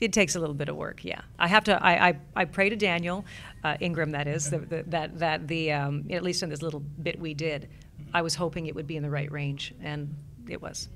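A woman talks at a fairly quick pace with a very deep, low pitch and fairly even intonation. Light background noise sits behind her. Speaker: voice actress. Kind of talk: interview answer. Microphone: handheld.

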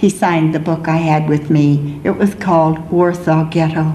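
A woman speaks in an unremarkable speaking voice, fairly low-pitched, at a moderate pace over light background noise. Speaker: poet. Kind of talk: poetry reading. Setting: stage with audience. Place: hall. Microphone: podium.

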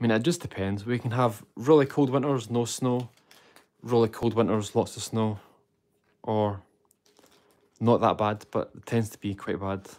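A man speaks at a moderate pace in a relaxed tone with fairly even intonation. His loudness swings widely, and he leaves long, frequent pauses. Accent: Scottish. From Scotland. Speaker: origami artist and streamer; streamer. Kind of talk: casual live-stream chat. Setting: home live stream. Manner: relaxed, hesitant with many fillers.

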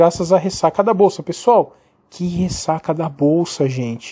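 At a fairly slow pace, a man with a high pitch and a dark, mellow tone speaks on a very clean recording with a silent background. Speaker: finance YouTuber. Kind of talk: commentary video reacting to news. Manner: animated.

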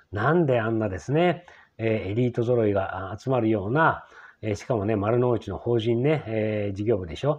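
Here a man speaks at a fairly quick pace. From Japan. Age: 60s. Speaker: YouTuber commentator. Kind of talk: casual vlog commentary. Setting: hotel by the sea. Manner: many fillers, hesitant. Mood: critical, lecturing. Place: home room. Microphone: phone near.

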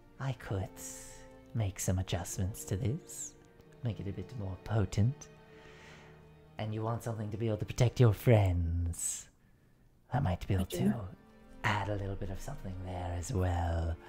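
A put-on character voice with a low pitch and a sinister tone moves at a moderate pace. Long, frequent pauses break it up, with clear music in the background. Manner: sweetly sinister, bargaining.

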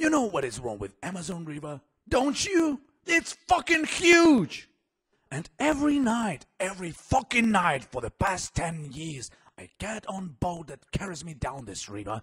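A man does a cartoonish character voice at a high pitch and a moderate pace. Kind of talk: adult cartoon comedy. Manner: weary, brooding, melodramatic.

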